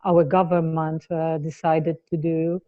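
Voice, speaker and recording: Slow Polish woman on a tinny line. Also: low voice, flat delivery, dry recording. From Poland. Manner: halting, many fillers. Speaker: participant. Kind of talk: casual self-introduction. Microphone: video call. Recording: dry tinny phone-like sound.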